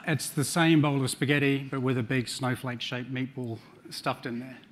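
A man's voice: mid-range voice, little pitch movement, normal speed, slight background noise. A middle-aged man with a New Zealand accent giving a conference talk on a large stage, with dry humor and frequent ums. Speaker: conference speaker.

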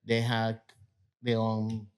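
A man in his fifties from Guatemala, Spanish-speaking by birth, talking haltingly in broken English about his plant nursery in a casual interview. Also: lowish voice, completely flat delivery, clean tone. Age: 50s. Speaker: guest, nursery owner.

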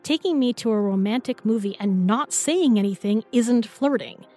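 A woman's voice: fairly high pitch, moderate pace, warm tone, faint music behind, close to an everyday voice. A young woman playing an affectionate, teasing new girlfriend in an intimate roleplay audio, with a playful, tender, coaxing manner.

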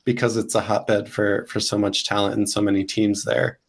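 A man's voice: on the low side, little pitch movement, moderate pace, husky. A man in his thirties hosting an interview over a video call from his home office, talking with energy. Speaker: host. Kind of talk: upbeat interview host, reads sponsor ad.

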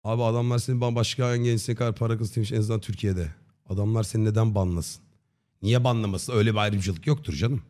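A man in his thirties chatting casually on a livestream in a slangy, joking, deadpan way. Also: fairly low pitch, quick pace. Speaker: live streamer. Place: dim indoor streaming room. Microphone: close desk microphone with headset on.

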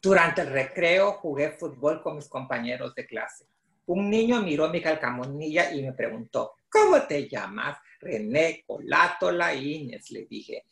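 Middle-aged male author, Salvadoran accent, slightly high voice, read-aloud delivery, very roomy video-call sound. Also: animated, moderate pace, gravelly, fairly bright tone. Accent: Salvadoran Spanish. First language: Spanish. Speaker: children's book author. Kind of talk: explaining and reading a picture book aloud. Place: small home office, indoors. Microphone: video call computer microphone.

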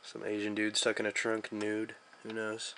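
Young American male reviewer, low but bright, forward voice, slangy and joking in a casual demo. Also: completely flat delivery, normal speed, slight background noise. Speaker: app reviewer. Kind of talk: casual app demo vlog.

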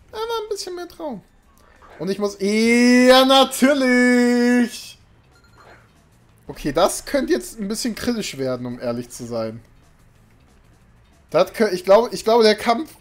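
Young guy streaming a game, kinda high voice, rambling, game music faint in the back. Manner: rambling, chatty, bursts into loud exasperated outbursts. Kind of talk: casual live-stream chat with chat. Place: small room indoors. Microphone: desk mic, webcam in a home room.

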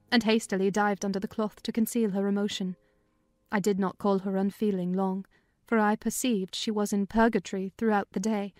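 A woman reads a dramatized storybook narration in a medium-pitched voice. Faint music plays behind her. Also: darkish tone, dry recording. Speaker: audiobook narrator.

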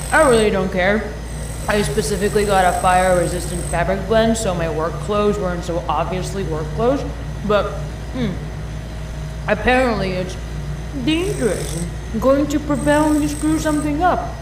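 A woman's voice: mid-range voice, far from the mic, close to an everyday voice. Actress as an irreverent mechanic woman, echoey and off-mic. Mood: cheeky, defiant. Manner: wry, playful, talking to herself. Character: irreverent, chatty mechanic named Kay recording a message. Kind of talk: audio drama monologue, casual and rambling. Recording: echoey metal duct, off-mic, clear ambient noise.

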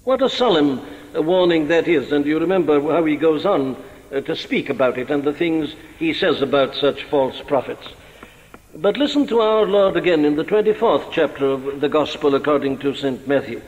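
An older man preaching a sermon in a church, earnest and deliberate, slowing down to stress key words. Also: on the high side, lively intonation. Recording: dull archival sermon recording in a large hall.

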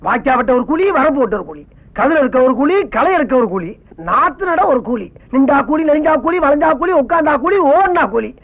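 An actor playing a grumbling, greedy comic farmer who rants and wails loudly, in film comedy dialogue. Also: male voice, extremely high pitch, lively intonation, a little fast, hardly any pauses. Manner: loud comic wailing and ranting. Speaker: comic villager husband. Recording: dull lo-fi film soundtrack.

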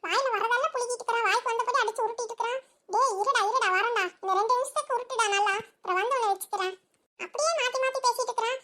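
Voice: extremely high pitch, racing, sharp tone, a little hiss or hum. A voice actor playing an indignant teenage sister muttering about her brother in a comedy cartoon. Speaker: cartoon character.

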